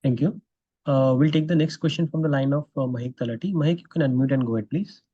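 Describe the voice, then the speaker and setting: Quick, husky male moderator. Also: mid-range voice, mellow, no echo. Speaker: conference call moderator. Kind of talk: moderating an earnings call. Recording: dull, dry call audio.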